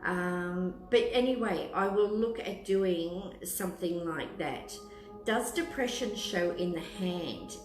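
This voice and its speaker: A woman in her fifties with an Australian accent hosts a tea room live stream, working as a psychic palm and tea leaf reader and chatting casually with viewers. Her lowish, darkish voice moves slowly as she thinks aloud in a hesitant, rambling way. Soft background music plays, and the recording has roomy echo with clear background noise.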